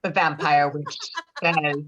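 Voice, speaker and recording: A woman's voice: deep voice, fairly even intonation, takes it slowly, a bit bright. A woman casually narrating stage directions in a virtual table read of a script.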